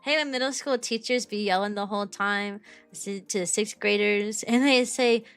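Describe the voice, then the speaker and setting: A woman in her mid-twenties with a high, youthful-sounding voice, chatting casually with her stream viewers and rambling with lots of ums, likes and restarts. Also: moderate pace, fairly bright tone, clean tone, soft background music. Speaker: VTuber streamer and kindergarten teacher.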